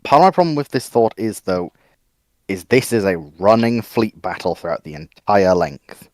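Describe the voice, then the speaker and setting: Low-voiced man, close dry sound. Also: expressive, moderate pace, dry recording. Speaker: discussion panelist. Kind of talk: casual analytical discussion.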